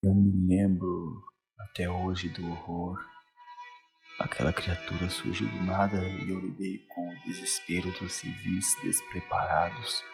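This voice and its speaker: A man's voice: low voice, flat delivery, measured pace, music in the background, low-quality recording. A man playing a haunted veteran protector burdened by regret, grave and restrained, with a Brazilian accent, in an audio drama. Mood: regretful. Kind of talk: audio drama trailer monologue. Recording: clear musical score underneath.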